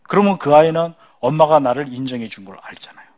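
A man's voice: on the high side, quick pace, a little mellow. A man giving a storytelling lecture who asks the audience questions and acts out the dialogue. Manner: acts out dialogue in changing voices.

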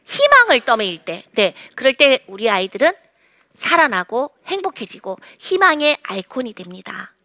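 A woman's voice: sing-song, normal speed, no echo, clean studio sound. A middle-aged woman counselor giving a public talk, acting out quoted parents and teenagers with sudden shifts in tone. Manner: acts out quoted lines with sharp jumps in pitch. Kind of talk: public lecture to an audience.

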